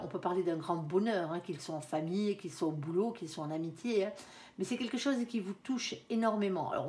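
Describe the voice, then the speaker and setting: Woman, tarot card reader, casual reading to camera, chatty, talks straight to viewers, middle pitch. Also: a little mellow. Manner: chatty, sprinkles talk with "hein" and "alors"; addresses viewers directly, calls on her angel between draws.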